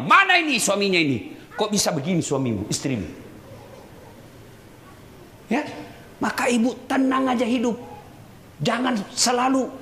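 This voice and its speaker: A man's voice: very high voice, fairly bright tone. A man preaching a humorous sermon to a live audience, teasing and addressing listeners directly. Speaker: Islamic preacher. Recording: echoey hall with crowd noise.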